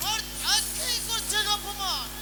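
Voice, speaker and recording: Hammy, indignant, very high-pitched youngster. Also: expressive, full character voice. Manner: hammy, emphatic, halting theatrical declaiming. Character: righteous, indignant young royal grandchild confronting a minister. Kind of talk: hammy, declamatory folk-theatre stage acting. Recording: stage recording under loud music.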